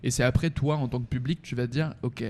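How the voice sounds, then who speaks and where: Man, radio co-host, mid-pitched voice, mellow, jokey, quick backchannel replies. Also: fairly even intonation, slight background noise. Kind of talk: casual radio chat.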